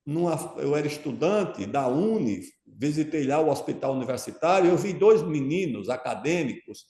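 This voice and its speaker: A man with a fairly high yet mellow, warm voice talks as an interview guest. He makes his points emphatically and keeps pausing to check his listener is following. The sound is roomy, with a noticeable echo. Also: big pitch swings. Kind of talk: conversational interview answer.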